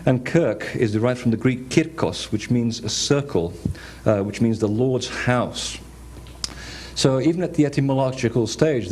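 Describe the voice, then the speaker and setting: Hesitant lecturer with a Portuguese accent. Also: male voice, fairly low pitch, a little mellow, slight background noise. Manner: hesitant, many fillers and restarts. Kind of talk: conference lecture with slides.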